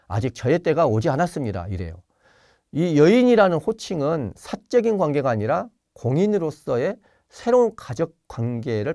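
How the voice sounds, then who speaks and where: A Jeolla-born priest lectures over a video call, his pitch rising and falling with lively expression. He explains gently, pausing often with fillers, and slips into acted quotes. The sound is dry and close, with little room in it. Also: no room sound. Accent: Jeolla Korean. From Jeolla, Korea. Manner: gentle explaining tone with many pauses and fillers, acts out quoted lines. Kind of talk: online spiritual lecture.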